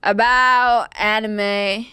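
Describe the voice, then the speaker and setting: A woman's voice: medium pitch, fairly even intonation, slow, pushed and bright, slight background noise. A young woman guest, giggling and hesitant as she reads a fan message aloud.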